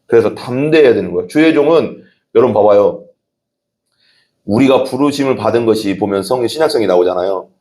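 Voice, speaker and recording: A man's voice: on the low side, lively intonation, a little fast, warm tone. A male pastor giving a conversational sermon, asking the congregation rhetorical questions and breaking into sudden exclamations.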